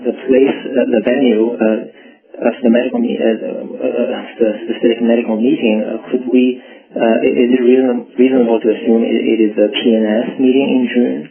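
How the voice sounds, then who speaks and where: A man speaking as a financial analyst on an earnings call, asking questions in a halting, tentative and polite way over the phone. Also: medium pitch, little pitch movement. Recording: tinny phone line with background chatter.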